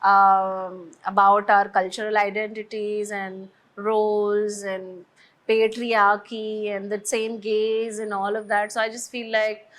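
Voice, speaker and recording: A woman's voice: medium pitch, level tone, slow pace, fairly bright tone. A woman with an Indian English accent speaking reflectively on a film panel, hesitant and full of fillers. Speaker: filmmaker on a panel. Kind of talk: casual roundtable discussion.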